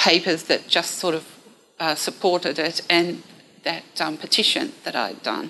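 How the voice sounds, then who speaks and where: A woman with an Australian accent at a fairly slow pace. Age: 70s. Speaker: churchgoer giving testimony. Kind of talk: testimony. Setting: church.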